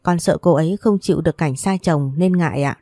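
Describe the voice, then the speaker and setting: A woman's voice: low-pitched, a little fast, dark tone, no echo, clean studio sound. Woman voicing a loyal, easygoing young man. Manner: teasing, respectful to parents.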